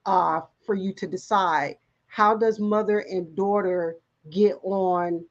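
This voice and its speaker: A woman's voice: medium pitch, steady tone, slow pace, highs cut off. A woman hosting an interview, asking encouraging questions and often restarting her sentences. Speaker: talk show host. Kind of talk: interview in recovery show.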